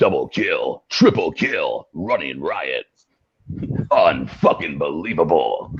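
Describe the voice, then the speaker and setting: The male speaker puts on a character voice. He delivers his lines fairly slowly. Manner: hyped announcer delivery.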